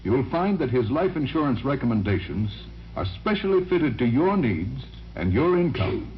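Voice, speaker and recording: A man reading a radio sponsor message in a friendly, persuasive pitch-man manner, heard from an old broadcast transcription disc. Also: big pitch swings, moderate pace, highs cut off, slight background noise. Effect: old broadcast transcription disc sound. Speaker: sponsor announcer. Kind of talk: scripted radio commercial reading.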